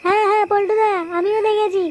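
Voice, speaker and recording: A performer voicing an excitable, easily spooked young man in a comic cartoon, repeating short phrases. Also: extremely high pitch, fast, slight background noise. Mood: bantering.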